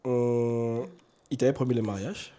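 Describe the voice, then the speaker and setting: A man's voice: mid-range voice, steady tone, a little slow, warm tone. A man hosting a casual live podcast chat, stuffy with a cold, tossing in jokey asides and a repeated catchphrase. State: has a cold. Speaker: podcast host. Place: studio. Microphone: podcast microphone.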